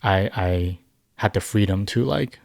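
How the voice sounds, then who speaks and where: A young man in his twenties, raised in China and Taiwan, answering questions as a podcast guest in a thoughtful, halting way with many restarts. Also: deep voice, gravelly, darkish tone, no echo, studio quality. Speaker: musician guest. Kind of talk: casual podcast interview.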